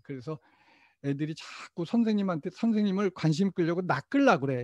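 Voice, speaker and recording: A man's voice: fairly high pitch, a little mellow, no room sound. A middle-aged man teaching a workshop in a chatty way, getting the audience to repeat phrases with him. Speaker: teacher trainer. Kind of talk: workshop lecture.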